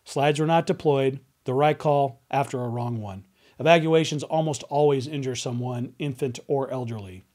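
A man's voice: medium pitch, darkish tone. A man in his forties giving scripted narration as an aviation video host into a desk microphone. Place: indoor studio. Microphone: desk microphone on boom arm.

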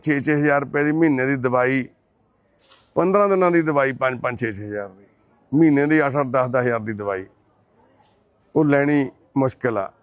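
A man with a Punjabi accent who volunteers at a care shelter, gently and repeatedly coaxing another man as his brother and explaining to the camera. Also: medium pitch, no room sound, dull audio. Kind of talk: coaxing talk and narration to camera.

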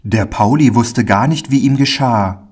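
A man narrating a Christian children's story in a calm, measured reading. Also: mid-range voice, breathy edge. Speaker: audiobook narrator.

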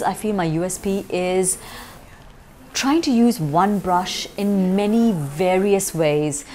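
A woman's voice: mid-range voice, a little mellow, slight background noise. A woman in her forties, a makeup artist and salon owner, answering interview questions in a chatty way with frequent ums and restarts, recorded on a lapel mic in an indoor studio.

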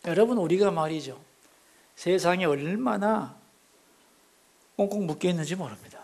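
A middle-aged man preaching in a church with a fairly high voice. He swings from loud, ringing exclamations down to hushed near-whispers. He keeps putting questions to the congregation as he goes. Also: normal speed, vocal fry. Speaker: pastor. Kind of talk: sermon. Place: church sanctuary.

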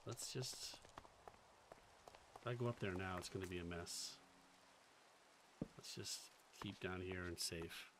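A man's voice: low voice, slow pace, long pauses, background noise. A man with a faint Boston accent, casually thinking aloud and chatting with viewers while streaming a game. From Boston area. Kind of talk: casual live-stream commentary.

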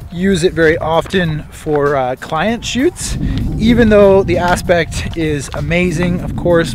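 A man's voice: a little high, noisy background. Chatty man vlogging on a hiking trail. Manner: relaxed, chatty, with frequent fillers. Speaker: vlogger and photographer. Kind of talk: casual vlog talk to camera. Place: outdoors on a sunny hillside trail. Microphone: action camera held at arm's length.

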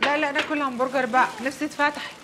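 An actress playing a wronged young maid who wails and curses, with an Egyptian accent. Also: female voice, sits high, fairly even intonation, racing, music in the background, natural voice. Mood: playful. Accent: Egyptian Arabic. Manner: wailing, cursing outbursts. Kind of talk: TV drama acting.

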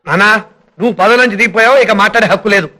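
A man's voice: high voice, rapid-fire, sharp tone. An actor playing a cheeky, joking young husband who banters with his family. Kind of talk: 1980s Telugu film comedy acting.

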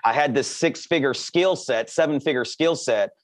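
A man's voice: medium pitch, dry recording, studio quality. A man who hosts a podcast and was once a pastor speaks conversationally over a video call from a home office, often chiming in with short affirmations. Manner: conversational, quick affirming interjections. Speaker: podcast host, former pastor. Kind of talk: interview conversation.

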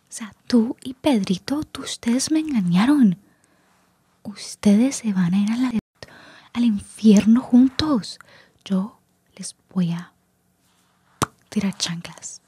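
Una mujer que hace de una mujer furiosa y melodramática de telenovela, con acento mexicano fingido, insultando en susurros. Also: female voice, fairly high pitch, expressive, slow, long pauses, mellow, husky, dry recording, exaggerated voice. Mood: furious. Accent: put-on Mexican. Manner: whispered, dramatic insults. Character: furious melodramatic soap-opera woman.

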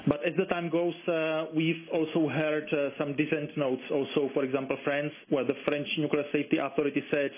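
A man's voice: on the high side, level tone, brisk, few pauses, slightly rough. A man gives explanatory interview answers over the telephone, phrasing carefully and hesitantly. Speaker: interviewed environmental campaigner. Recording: dull, band-limited phone line.

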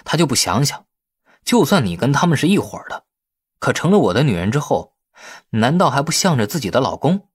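A man's voice: mid-range voice, very animated, a little fast, breathy edge, no room sound, studio quality, pitched above the performer's own voice. A man voicing a cocky, teasing young businessman in an audiobook, glib and mock-innocent. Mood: aggrieved.

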